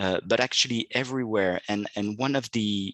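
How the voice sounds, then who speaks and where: A man in a French accent speaks with a fairly low pitch, a bright, sharp tone and ordinary pitch variation. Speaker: urban ecologist. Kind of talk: online lecture. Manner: halting, many fillers and repetitions.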